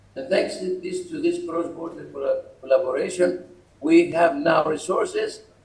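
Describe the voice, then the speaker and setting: The man keeps a moderate pace amid audible room echo. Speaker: charity president. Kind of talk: conference speech. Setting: video call from a command center. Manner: halting.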